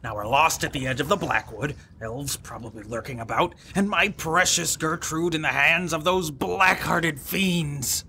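Creaky, blustering young boatman. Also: fairly high pitch, a little slow, few pauses, pushed and bright, slight background noise, heavily acted. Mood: indignant, wounded. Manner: blustering, theatrical, folksy. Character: boastful, melodramatic young boatman and brawling tale-teller. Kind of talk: fantasy audio drama acting.

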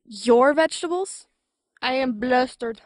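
A woman's voice: sits high, lively intonation, measured pace, no room sound, studio quality. A woman playing a sheepish, defiant young thief who is comically evasive in an audio drama. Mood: indignant.

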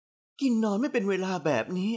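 A woman's voice: medium pitch, expressive, normal speed, darkish tone, pitched above the performer's own voice, natural voice. Woman voicing a stern doctor aunt. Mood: gently firm. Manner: firm, scolding yet affectionate. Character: stern middle-aged aunt, senior doctor.

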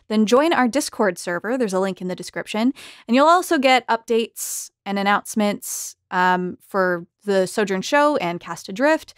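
A woman hosts a casual behind-the-scenes podcast, chatting and addressing her listeners. Her pitch is average and the sound is dry, free of room echo. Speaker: podcast host.

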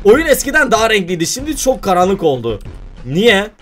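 A man giving playful, excitable let's-play commentary at his computer, often exclaiming and laughing as he talks to viewers. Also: high voice, brisk, faint music behind. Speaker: gaming YouTuber.

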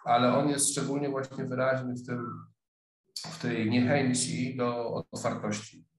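A middle-aged man talks through a lecture from his office over a webcam. His voice sits at an ordinary pitch, and he hesitates often, filling pauses and restarting sentences. The room adds a noticeable echo. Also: little pitch movement. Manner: thoughtful, hesitant, many fillers and restarts. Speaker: sociologist lecturer. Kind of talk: online lecture. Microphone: webcam video call.

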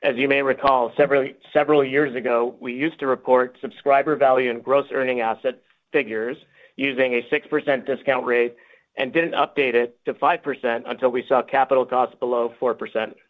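A man's voice: mid-range voice, steady tone, brisk. A man, a company finance executive, reading a scripted financial report on a conference call. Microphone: conference call line. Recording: tinny, phone-like conference call audio.

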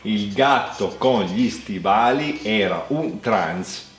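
A man in his thirties with a low, animated voice speaks slowly as a guest in a lip-reading game. He chats casually and playfully indoors in a home living room with a staircase, and the recording is echoey with background noise.

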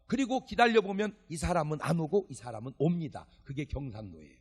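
A fairly high-voiced man preaching at a church revival service. His voice is husky, and its pitch swings widely as he tells jokey stories and acts out bits of dialogue. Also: brisk. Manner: animated, joking storytelling with acted dialogue. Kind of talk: sermon.

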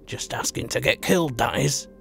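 A man's voice: deep voice, big pitch swings, unhurried, creaky, soft background music, voice pushed down, heavily acted. A man voicing a menacing shaven-headed male gang leader who snarls through gritted teeth.

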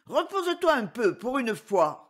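Woman reader as a bossy talking vine in a children's storybook, scolding, high and lively. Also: unhurried. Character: bold wild vine, female, bossy and fed up. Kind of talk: storybook reading.

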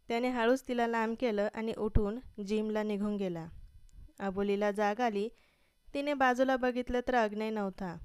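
A woman narrating a scripted story with a steady, expressive reading. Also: mid-range voice, clean tone, no echo, clean studio sound.

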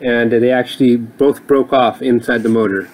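A man's voice: medium pitch, steady tone, normal speed, a little mellow, a little hiss or hum, poor audio. A man explaining a motor repair over his footage in a plain, explanatory way, with occasional fillers. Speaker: repair channel host.

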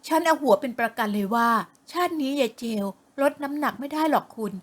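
A woman voicing a worried, exasperated middle-aged mother who speaks loudly. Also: sits high, brisk, pitched above the performer's own voice. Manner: loud, exasperated.

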